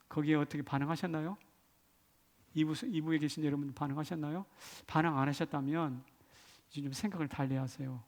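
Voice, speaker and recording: A male senior pastor preaching a Sunday sermon in a church. He moves between hushed asides and shouted emphasis and acts out quoted voices. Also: on the high side. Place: church sanctuary.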